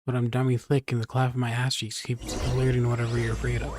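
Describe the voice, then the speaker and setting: A man's voice: medium pitch, completely flat delivery, fast. A man giving casual gaming commentary with irreverent, joking, sweary asides. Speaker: streamer, gamer. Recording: faint noise and clicks.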